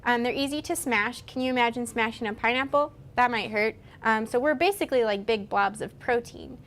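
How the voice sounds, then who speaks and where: A woman's voice: a little high, fairly quick, fairly bright tone, a little hiss or hum. A woman presenting a demonstration in a casual explaining style. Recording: faint music under the voice. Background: music.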